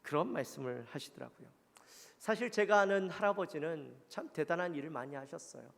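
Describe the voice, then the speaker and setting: A man's voice: a little high, lively intonation, fairly quick, creaky, a bit bright. A male pastor with a Gyeongsang Korean accent, giving an earnest, conversational sermon and putting questions to the congregation. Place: church sanctuary. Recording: long church-hall reverb.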